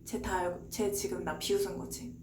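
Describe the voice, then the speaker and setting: A woman voicing a jealous, controlling young husband in a low, muttering tone while retelling a novel's story. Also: steady tone, moderate pace, over music, lightly acted. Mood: suspicious, controlling. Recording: roomy echo, faint background hiss.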